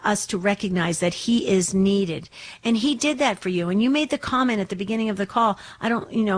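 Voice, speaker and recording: Lady hosting a religious call-in radio show, enthusiastic, repeats herself a lot, middle pitch.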